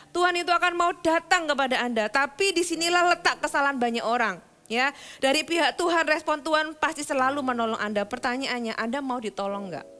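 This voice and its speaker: A woman pastor delivers a sermon in a high, clear register, earnest and conversational as she turns again and again to address her listeners directly. Faint music sits quietly underneath her voice.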